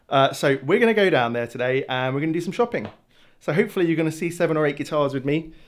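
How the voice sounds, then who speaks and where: A man with an English accent talks at a very fast pace, fairly high in pitch and with lively intonation. The recording is very clean, the background silent. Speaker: guitar YouTuber. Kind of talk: casual vlog.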